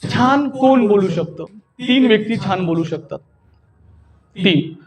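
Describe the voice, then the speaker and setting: A man's voice: high voice, lively intonation, takes it slowly, a crowd in the background. A man leading a stage-speaking workshop, emphatic and often putting questions to his listeners. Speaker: workshop trainer, anchor and voice artist. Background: audience of students.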